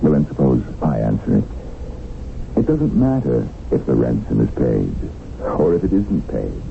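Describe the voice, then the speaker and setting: An actor playing a wry, unflappable rich man of about fifty held captive in a radio drama, speaking in a sardonic, deliberate way. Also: a bass voice, wildly swooping pitch, gravelly, exaggerated voice. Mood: cool, probing. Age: middle-aged. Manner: sardonic, deliberate, drawn-out phrasing. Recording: tinny, hissy old radio recording.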